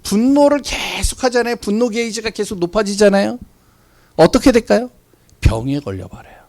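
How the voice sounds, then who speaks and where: Animated male pastor preaching, high and lively. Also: moderate pace. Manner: animated storytelling, rhetorical questions, sudden drops to quiet. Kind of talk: sermon.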